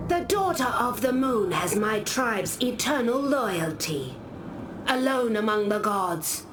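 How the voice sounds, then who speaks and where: A woman voicing a solemn, devout tribal warrior in a video game, telling her lore gravely and deliberately. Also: fairly high pitch, background noise. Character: solemn, devout female tribal warrior, loyal to moon goddess. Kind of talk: scripted game character monologue.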